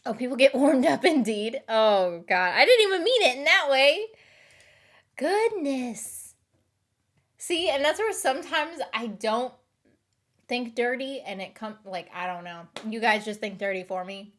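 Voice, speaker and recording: A woman's voice: fairly high pitch, animated, a little slow. Chatty woman with a light Southern accent. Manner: rambling, giggly, restarts and overthinks aloud. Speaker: live streamer. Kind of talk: casual chat with stream viewers.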